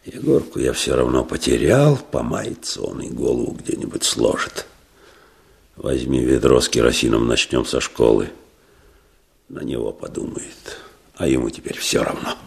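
A man playing a stern, embittered old peasant father in a radio drama, gruff and curt, with speech. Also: extremely low pitch, expressive, moderate pace, darkish tone, heavily acted. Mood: bitter, vengeful. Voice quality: gravelly, husky.

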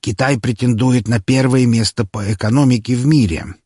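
A man voicing an elderly, courteous Chinese chancellor who speaks calmly and formally. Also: mid-range voice, moderate pace, breathy edge, no echo, studio quality, voice pushed up, natural voice. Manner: ceremonious, formal, calm.

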